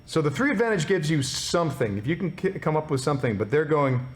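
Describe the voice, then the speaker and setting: A man's voice: fairly high pitch, sing-song, quick pace. A man running a tabletop game as game master, narrating in a playful way and laughing often. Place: studio.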